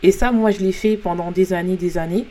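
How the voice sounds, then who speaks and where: French woman coach hosting her own podcast, warm and mellow tone, earnest, talks straight to listeners. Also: fairly low pitch, steady tone, fairly quick. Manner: earnest, frank, many fillers and restarts. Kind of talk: casual motivational monologue.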